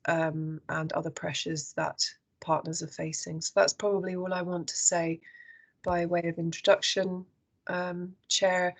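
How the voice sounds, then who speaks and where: A woman with a croaky voice presenting a report in an online meeting. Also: fairly low pitch, rough recording. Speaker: council officer presenting a report.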